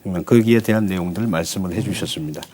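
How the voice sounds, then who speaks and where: A man's voice: sits low, racing, darkish tone, breathy edge. A man hosting a broadcast interview, putting questions in a formal, polite and prompting way. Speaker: TV interviewer, host.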